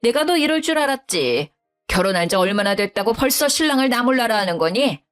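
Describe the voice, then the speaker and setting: A woman's voice: fairly high pitch, big pitch swings, a little fast, faint music behind, pitched above the performer's own voice. A woman putting on a bossy scolding mother-in-law. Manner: scolding, condescending. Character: domineering nagging older mother-in-law.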